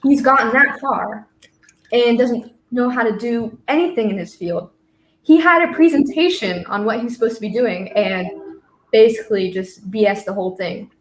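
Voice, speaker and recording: A woman's voice: on the high side, moderate pace, slight background noise. A young American woman in her twenties, a college student guest, telling a story casually with lots of fillers. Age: 20s. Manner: rambling, filler-heavy storytelling. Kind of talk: casual conversation. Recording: roomy echo.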